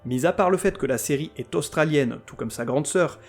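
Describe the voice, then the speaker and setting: A podcast host with a fairly high-pitched voice reviews TV series at a brisk clip, music playing behind him. His scripted comic style is full of sarcasm, crude language and mock outrage.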